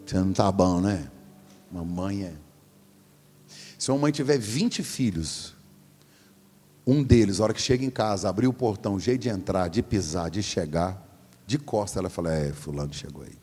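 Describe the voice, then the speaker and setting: A man in his forties preaching a storytelling sermon as pastor, animated and acting out the voices in his story. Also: lowish voice, normal speed, pauses often. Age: 40s. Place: large church hall. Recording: long hall reverb.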